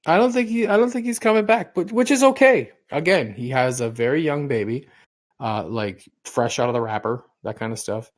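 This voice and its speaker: Middle-aged male podcast co-host, rambly storyteller, mid-pitched everyday voice. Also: lively intonation, fairly quick. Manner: rambling storyteller, repeats and restarts words. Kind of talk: casual podcast chat.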